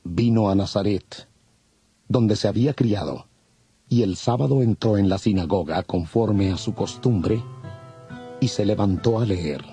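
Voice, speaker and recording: A man narrating a dramatized audio Bible in a measured, formal way. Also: lowish voice, warm tone, husky, soft background music.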